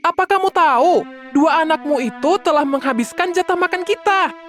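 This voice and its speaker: Harsh fairy-tale mother, very high voice, cold and scolding, cartoon. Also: moderate pace, faint music behind. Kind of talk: cartoon voice acting.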